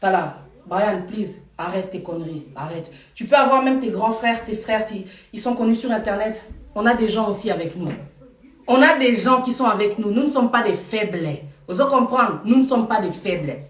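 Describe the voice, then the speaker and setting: A woman's voice: medium pitch, lively intonation, normal speed, distant mic. Woman live-streamer, casual emphatic chat, repeats for force, echoey room, off-mic. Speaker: live streamer addressing followers. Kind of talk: casual live chat, mixing French and Lingala. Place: Paris.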